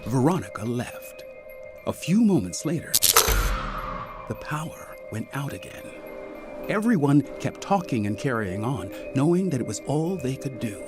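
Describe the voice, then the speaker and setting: A man's voice: mid-range voice, very animated, normal speed, natural voice. A man narrating a scripted murder mystery audio drama in a theatrical storytelling manner. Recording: music bed under the voice.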